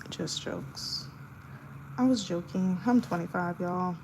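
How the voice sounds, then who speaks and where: A woman in her twenties livestreams her art, chatting casually with viewers as she sketches in a loose, giggly way packed with fillers. Her voice is on the low side, slow and a little mellow, and the poor audio has a faint hum beneath it.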